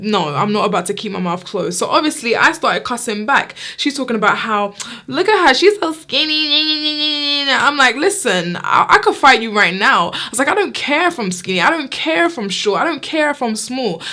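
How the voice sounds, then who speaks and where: A woman with an American accent speaks in a raised, projected voice at a high pitch, her pitch swinging very widely with hardly any pauses over noticeable background noise. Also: moderate pace. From Florida, US. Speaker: YouTuber. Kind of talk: storytelling vlog. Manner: animated.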